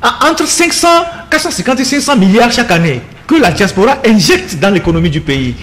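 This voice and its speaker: A man argues on a political panel. His voice sits high and swings widely in pitch. He sounds indignant and insistent, stumbling over repeated words as he presses on. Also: big pitch swings, fairly quick, a bit bright. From Togo. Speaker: political commentator. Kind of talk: heated panel debate.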